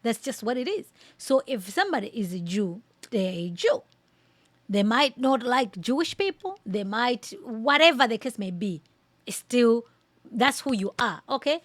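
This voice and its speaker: A woman's voice: a little high, very animated, measured pace, a bit bright, no echo. A woman from Malawi hosting a casual reaction commentary, speaking emphatically and repeating phrases to drive her points home. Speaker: podcast host giving commentary.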